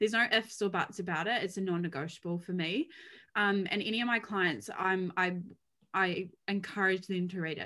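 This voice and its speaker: A woman's medium-pitched voice with a New Zealand accent and ordinary pitch variation. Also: moderate pace. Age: 20s. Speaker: mindset coach. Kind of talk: casual interview chat. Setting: remote call. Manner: enthusiastic, animated.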